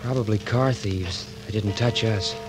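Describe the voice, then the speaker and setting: A man's voice: lowish voice, a little slow, close to an everyday voice, poor audio. An actor as a tense young man. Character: protective young man Jimmy. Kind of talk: 1940s radio drama acting. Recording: old radio broadcast with loud music.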